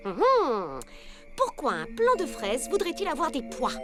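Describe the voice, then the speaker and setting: Baba Hortensia, a high, showy sleuth. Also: female voice, wildly swooping pitch, measured pace, heavily acted. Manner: theatrical, dramatic exclamations. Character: Baba Hortensia, excitable young woman fancying herself a detective. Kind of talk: French cartoon dub. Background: cartoon music.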